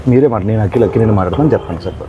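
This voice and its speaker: A man's voice: on the low side, rapid-fire, muffled recording, background noise. A man hosting a casual, playful interview in a jokey, coaxing way. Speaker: interviewer, show host.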